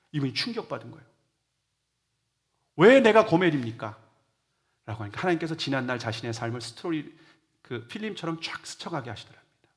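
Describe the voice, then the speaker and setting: Man, middle-aged, pastor, church sermon, earnest testimony, loud-to-hushed swings, slightly high voice. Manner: earnest storytelling, swinging from loud emphasis to hushed near-whispers. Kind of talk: Sunday sermon, personal testimony. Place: church sanctuary.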